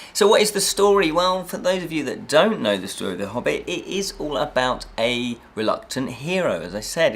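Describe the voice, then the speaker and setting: A man hosting a fantasy review show, talking in an animated, chatty way with frequent self-corrections and rhetorical asides. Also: on the low side, gravelly. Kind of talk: chatty unscripted review to listeners.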